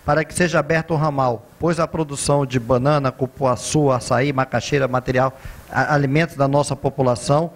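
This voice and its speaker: A man's voice: mid-range voice, steady tone, brisk. A Brazilian man co-hosting a TV talk show, asking questions and reading community notices in a conversational way. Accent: Brazilian Portuguese. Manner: conversational, reads notices aloud. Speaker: TV co-host and doctor.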